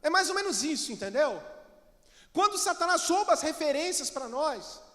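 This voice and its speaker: A man's voice: very high voice, very animated, moderate pace, pushed and bright. A man with a Brazilian Portuguese accent preaching an emphatic sermon as a pastor and calling on the congregation to respond. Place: church. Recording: church hall with long reverb.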